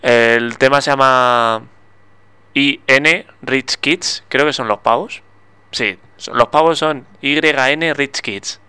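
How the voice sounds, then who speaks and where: Bright-voiced Spanish man joking on radio. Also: medium pitch, takes it slowly, clear, resonant tone. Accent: Spain. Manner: joking, self-mocking, relaxed banter. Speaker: radio show co-host. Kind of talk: casual radio chat. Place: radio studio.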